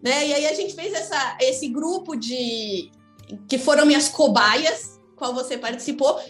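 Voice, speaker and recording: A woman's voice: sits high, measured pace, a bit bright, faint music behind. A woman in her thirties from São Paulo with a Brazilian Portuguese accent, speaking as an interview guest in a reflective, frank, thinking-aloud way. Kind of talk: candid conversational interview. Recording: echoey room.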